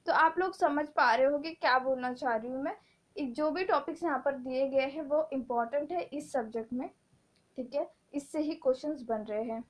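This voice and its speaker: A high-pitched young woman talks students through exam topics in a relaxed, conversational way. She drops English technical terms into her speech and slows right down when reading lists. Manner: chatty, mixes English terms, reads topic lists slowly. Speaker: exam coaching teacher. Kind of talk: casual exam-prep lesson in Hindi-English.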